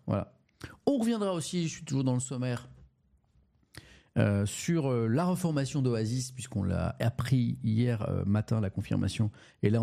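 Gravelly, dark-voiced man reviewing papers. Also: medium pitch. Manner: halting, with frequent restarts and repeated words; chatty, asks the audience questions. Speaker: Twitch streamer reviewing the morning papers. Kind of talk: casual live-stream press review.

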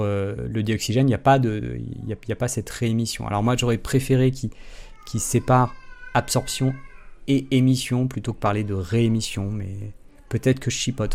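A man giving a live-streamed science explanation, halting and restarting often, with an informal, self-mocking manner. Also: mid-range voice, a little mellow. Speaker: science educator.

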